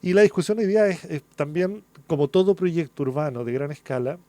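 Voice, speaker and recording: A man's voice: on the high side, lively intonation, brisk, dark tone, dry recording. A man with a Chilean accent speaking as an academic guest in a radio interview, explaining things and checking for agreement with tag questions. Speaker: academic guest, architecture vice dean.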